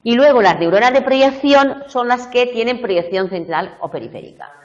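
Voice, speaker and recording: On a muffled, lo-fi classroom recording, a middle-aged woman leads a university tutorial over live video. She speaks at a normal speed in a slightly high, expressive voice, explaining each step and often checking that her students are following.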